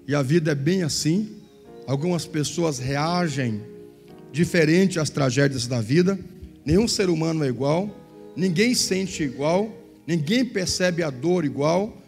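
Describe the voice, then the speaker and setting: A man with a Southern Brazilian accent preaching a sermon in a large church hall, telling stories animatedly and acting out the people in them. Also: sits high. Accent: Southern Brazilian Portuguese. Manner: animated storytelling, voices others in quotes. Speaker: pastor. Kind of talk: sermon with acted-out anecdotes. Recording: echoey church hall with faint music.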